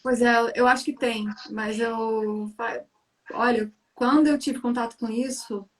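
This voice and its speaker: A woman's voice: a little high, a little slow. A Brazilian woman hosting a casual chat, telling stories animatedly. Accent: Brazilian Portuguese. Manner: animated storyteller, frequent tag questions. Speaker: host.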